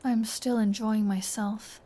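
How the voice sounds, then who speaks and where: A woman's voice: medium pitch, level tone, takes it slowly, warm tone. A woman voicing a flirty, menacing vampire in an intimate ASMR roleplay, teasing and sardonic, often slipping into a whisper. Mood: wry, fond. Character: flirty, menacing female vampire taunting her captive hunter.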